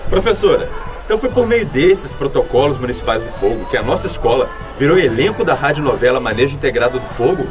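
An enthusiastic, slangy schoolboy played by a man speaks in a radio drama. His voice sits at a middle pitch, slightly away from the mic, over music. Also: expressive, quick pace, lightly acted. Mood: keen. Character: playful enthusiastic male high-school student. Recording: distant from mic, music behind.

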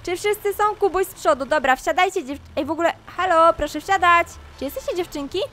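A woman's voice: very high-pitched, brisk, a bit bright. A woman commenting on a game as she role-plays a mom scolding her kids, with asides to viewers. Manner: addresses viewers directly. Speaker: Roblox gaming YouTuber playing a mom. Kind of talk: roleplay gameplay commentary.

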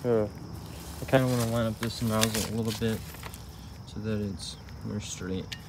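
A man's voice: fairly low pitch, steady tone, normal speed, background noise. A man casually reviewing pressure washers outdoors, talking in a rambling way with lots of fillers, recorded on a body-worn camera. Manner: rambling, self-correcting, filler-heavy. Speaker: tool reviewer. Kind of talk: casual product demo vlog. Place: outdoor garden walkway by a tree. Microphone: body-worn camera, first-person view.

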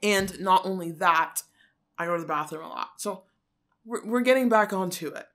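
A woman's voice: on the low side, moderate pace. A woman in her thirties, from Canada, chatting emphatically and with strong opinions in a casual grocery haul vlog filmed at home with a handheld camera. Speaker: vlogger. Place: small living room at home. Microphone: camera at arm's length.

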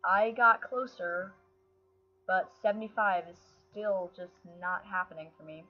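A woman's voice: mid-range voice, a little slow, faint music behind. Girl gamer commentating her run, sick voice, muffled lo-fi built-in mic. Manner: frustrated, self-talking while playing. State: sick, voice affected. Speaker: gaming channel host. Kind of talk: casual game commentary. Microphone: built-in mic, no headset.

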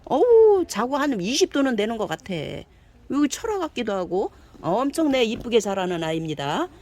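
A woman giving a cheerful live sales pitch for succulent plants, gushing and exclaiming over each one and chatting aloud to herself. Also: sing-song, moderate pace, a little mellow. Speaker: succulent seller.

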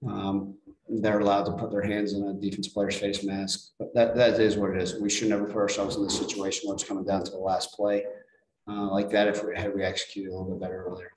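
A man's voice: fairly low pitch, monotone, fast talker, a little mellow, echoey room, poor audio. A middle-aged man, a head football coach, answering questions at a post-game press conference in a plain-spoken way, often repeating words as he restarts.

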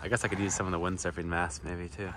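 Filming himself on a phone held at arm's length, a thirtysomething man vlogs from his small sailboat with wind and water noise around him. He talks fast in a deep voice, relaxed and rambling, musing aloud and wandering between subjects in typical sailing-vlog narration.

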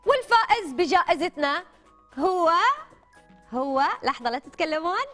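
High, lively Gulf Arabic woman hosting. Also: moderate pace, faint music behind. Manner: prompts children with repeated short questions and phrases. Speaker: children's TV show host. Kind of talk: children's quiz show presenting. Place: colourful indoor TV studio children's set.

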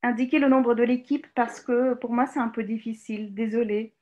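A woman from Ukraine leading an online teacher workshop in French on a video call, lively and encouraging, with many hesitations and fillers. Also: fairly high pitch, moderate pace. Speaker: teacher trainer giving a webinar talk. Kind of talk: live online workshop presentation. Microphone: computer mic on a video call.

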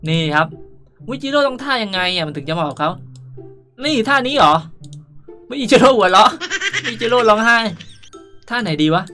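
A young man speaks in a bright, forward voice as a gaming channel host. He rambles playfully through a casual tutorial, with faint music behind him. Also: high voice, very animated, a little fast, long pauses. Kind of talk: casual game tutorial commentary.

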